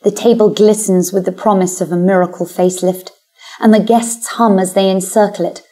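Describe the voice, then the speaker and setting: A woman's voice: mid-range voice, steady tone, normal speed, dark tone. A woman with a British accent narrating a first-person story in a wry, confident, self-mocking way. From Britain. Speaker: audiobook narrator.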